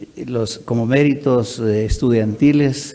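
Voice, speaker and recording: Audible room echo surrounds a man's dark, mellow voice with fairly even intonation. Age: 60s. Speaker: law professor. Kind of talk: ceremonial speech. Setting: hall with audience. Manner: halting, with many fillers.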